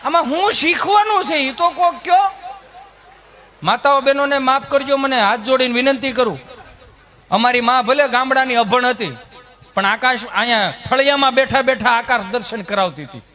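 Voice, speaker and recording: A male stand-up comedian with a Kathiawadi Gujarati accent, storytelling with lots of animation. His voice is very high and bright, with a sharp edge. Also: moderate pace. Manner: animated, mimicking people in his stories.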